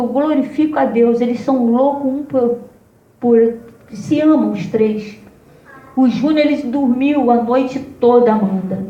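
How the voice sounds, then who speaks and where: A woman pastor telling an emotional testimony in a sermon, calling on listeners by name. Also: high voice. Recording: roomy, distant, dull sound.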